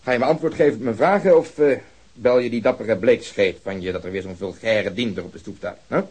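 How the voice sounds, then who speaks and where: An actor playing a sardonic police detective in a radio drama, sharply ironic and pointed. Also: male voice, lowish voice, fairly quick, a little mellow, husky. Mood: sarcastic.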